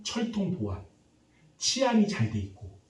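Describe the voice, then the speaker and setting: A man preaching a revival sermon as a pastor, lively and acting out the people he quotes while quizzing the congregation. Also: high-pitched, a little slow. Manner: animated, acts out quoted voices, quizzes congregation. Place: church sanctuary. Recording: echoey church hall, distant mic.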